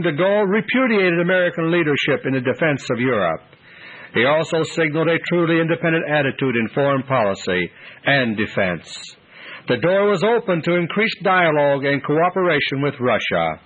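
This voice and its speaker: A man delivering scripted political commentary to listeners in a measured, deliberate way. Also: fairly high pitch, fairly bright tone. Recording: dull lo-fi audio.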